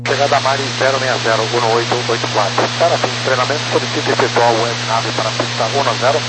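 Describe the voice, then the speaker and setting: Brazilian pilot over the radio, quick. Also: male voice, mid-range voice, fairly even intonation. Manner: quick, terse readbacks. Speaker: airline pilot. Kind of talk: clipped aviation radio phraseology. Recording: noisy aircraft radio with hum.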